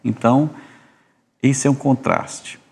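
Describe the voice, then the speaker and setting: On a casual church podcast, a Brazilian man who hosts the show and works as a music minister rambles through anecdotes, often restarting his sentences. He speaks slowly in a steady, mid-range voice that is creaky, husky and somewhat dark, with a Brazilian Portuguese accent.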